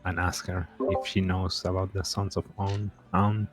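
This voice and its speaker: A man's voice: deep voice, level tone, unhurried, over music. A man playing a tabletop game, speaking hesitantly and asking questions in character. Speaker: player.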